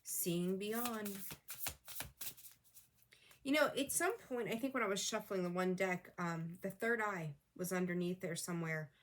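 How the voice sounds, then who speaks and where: At a measured pace and medium pitch, a tarot reader gives a casual spiritual reading, addressing viewers directly like an earnest coach and repeating her guidance. Her voice is fading, and she clears her throat.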